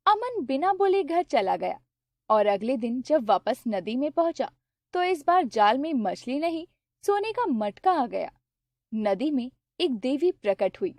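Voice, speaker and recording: A woman narrating a cartoon story in a steady, plain storybook way. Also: sits high, a little slow, dry recording, clean studio sound.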